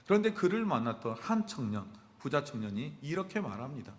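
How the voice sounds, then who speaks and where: A man's voice: medium pitch, big pitch swings, a little fast, long reverb tail. A male pastor preaching a midweek sermon. He asks the congregation rhetorical questions and answers them himself. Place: church sanctuary.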